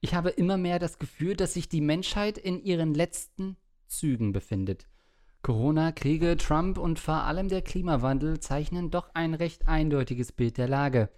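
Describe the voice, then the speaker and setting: A man's voice: on the high side, normal speed, darkish tone. A man hosting a podcast who reads listener letters aloud and chats in a dry, teasing, matter-of-fact way. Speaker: podcast host reading listener mail. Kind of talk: casual chat and reading letters aloud.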